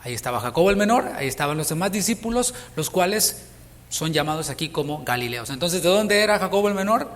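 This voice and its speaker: A man's voice: sits high, expressive, fast, long reverb tail. A Mexican man preaching a sermon as pastor, speaking conversationally and asking his listeners questions. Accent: Mexican Spanish. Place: church sanctuary.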